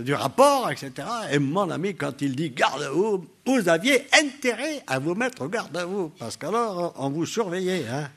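An older man with a voice on the high side preaches a sermon, putting rhetorical questions to the congregation and swinging between loud exclamations and quiet asides.

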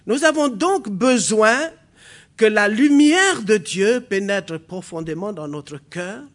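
Man, preacher, from New Caledonia, non-native speaker, sermon in a church hall, unhurried delivery, halting with fillers then emphatic. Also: sits high, lively intonation, fairly bright tone. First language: a New Caledonian language.

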